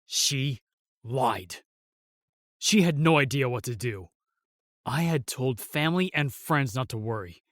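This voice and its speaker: A man playing a solemn, remorseful knight in a fantasy audio drama, telling things in a halting, weighty way. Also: mid-range voice, animated, a bit bright, no room sound, studio quality. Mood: bitter, regretful. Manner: halting, weighty storytelling with sighs and pauses. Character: solemn, remorseful knight, sworn protector of the realm.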